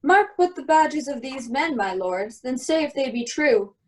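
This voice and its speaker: Woman playing Prospero, very high-voiced and commanding. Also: expressive, measured pace. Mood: accusing, stern. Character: Prospero, commanding wronged duke and magician, forgiving. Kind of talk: stage Shakespeare read as a radio play. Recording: distant from the microphone.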